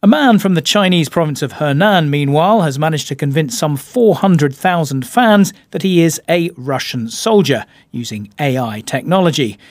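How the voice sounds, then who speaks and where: A man presenting the news in a measured, formal way and questioning a guest. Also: on the high side, expressive, no echo.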